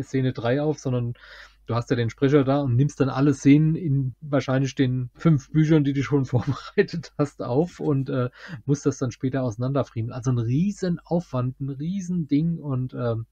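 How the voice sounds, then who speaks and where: A man's voice: mid-range voice, warm tone, no echo, lo-fi sound. A man co-hosting a podcast in casual chat, talking in long winding sentences. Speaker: podcast co-host.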